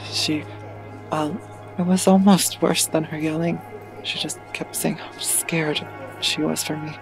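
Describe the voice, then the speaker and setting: A woman playing a withdrawn, troubled teenager narrating an audio drama, hesitant and confiding in a creaky voice. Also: low voice, a little mellow, low-quality recording.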